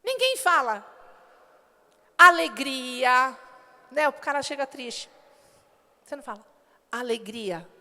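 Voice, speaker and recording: A woman pastor preaching a sermon and acting out little quoted dialogues in an animated way. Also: high voice, moderate pace, pauses often. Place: church hall. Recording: long hall reverb.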